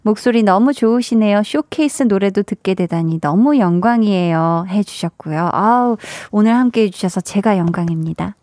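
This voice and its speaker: A woman's voice: mid-range voice, moderate pace, few pauses, dark tone, dry recording, studio quality. A woman hosting a late-night radio show, cheerfully reading out listener messages and encouraging them. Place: radio studio. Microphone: studio microphone.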